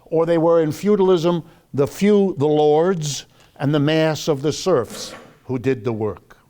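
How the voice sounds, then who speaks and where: American guy giving a lecture, mellow warm-toned voice, dramatic and emphatic, repeats stuff for effect. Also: on the high side, measured pace. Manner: emphatic, dramatic, rhetorical questions and repetition. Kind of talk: live public lecture.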